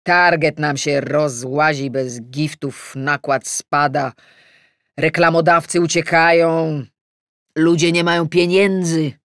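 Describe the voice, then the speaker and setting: A woman voicing a male editor-in-chief in an audiobook, an earnest, self-important boss who speaks in a measured, halting, persuasive way. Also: sits low, dry recording, clean studio sound. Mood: weighty, hesitant.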